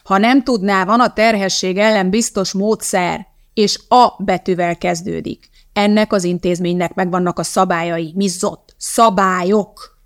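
A woman reading an audiobook, voicing an indignant male institute director who shouts in outrage. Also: mid-range voice, steady tone, natural voice. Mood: outraged shouting.

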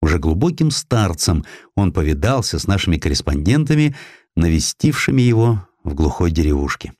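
A man reading a historical essay as an audiobook narrator, in a measured, dramatic storytelling delivery with expressive emphasis. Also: sits low, no echo, clean studio sound.

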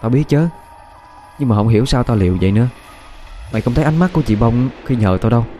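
A man voicing a stubborn, soft-hearted young woman, speaking earnestly in an audio ghost story. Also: medium pitch, fast talker, a little hiss or hum, close to an everyday voice. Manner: earnest, pleading, sometimes hushed.

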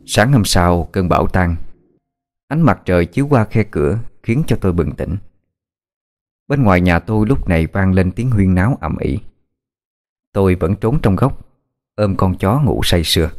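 A man reading a scripted horror story in a steady, somber way. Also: low-pitched, moderate pace, long pauses.

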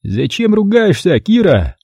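A male narrator voicing a whiny male thug with a thin, bleating, squeaky voice. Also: wildly swooping pitch, a little slow, mellow, breathy edge, no room sound, studio quality, heavily acted. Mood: nagging. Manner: whiny, needling.

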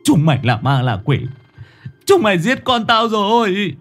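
A man's voice: low-pitched, expressive, measured pace, darkish tone, husky, faint music behind, full character voice. A man voicing a terrified elderly village grandfather who stammers in panic. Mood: anguished.

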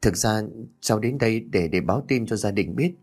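A man's voice: on the low side, lively intonation, brisk, darkish tone, slightly rough. A man voicing a shaken young man who speaks hesitantly and stammers.

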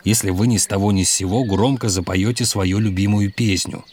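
Man as a calm, instructive doctor, slightly low voice, kids' audio storybook. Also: fairly quick, slight background noise, close to an everyday voice. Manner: calm, instructive, explains patiently. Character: calm adult doctor out picking mushrooms.

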